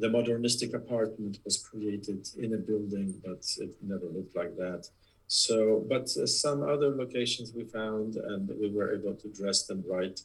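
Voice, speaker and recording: Speaking with a Polish accent, a man keeps a moderate pace with hardly any pauses. His pitch is fairly low and his intonation fairly even. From Poland. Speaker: production designer. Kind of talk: interview. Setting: remote call. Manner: halting.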